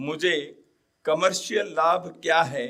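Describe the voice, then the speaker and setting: Bright, sharp tone in a man's high voice. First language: Kannada (speaking Hindi). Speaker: speaker at book launch. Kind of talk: formal speech. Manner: formal.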